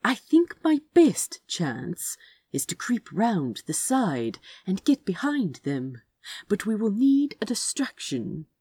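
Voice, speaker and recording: A woman's voice: medium pitch, very animated, slow pace, mellow, slightly rough, no room sound, studio quality, heavily acted. A woman voicing an earnest, protective prince who is tender with his lover, in a storybook reading. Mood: anxious, thoughtful.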